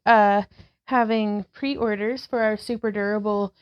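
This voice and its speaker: A woman in her thirties leading a guided yoga session as a vlogger, cueing each pose calmly and gently. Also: medium pitch, unhurried, clear, resonant tone. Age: 30s. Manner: calm, gentle cueing with breath prompts. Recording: slightly dull lo-fi sound.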